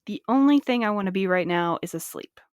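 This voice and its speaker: A woman's voice: medium pitch, expressive, smooth, dry recording, clean studio sound, natural voice. A woman playing a tired mail courier in an audio drama, polite and tactful but firm. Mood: uneasy, tired. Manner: tactful, measured. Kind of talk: scripted audio drama dialogue.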